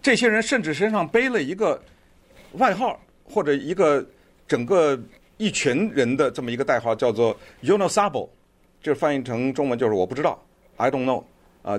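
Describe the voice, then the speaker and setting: Male commentator, conversational and digressive, lively swooping intonation, filler-heavy delivery. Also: medium pitch. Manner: chatty, digressive, lots of fillers. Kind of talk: casual online commentary.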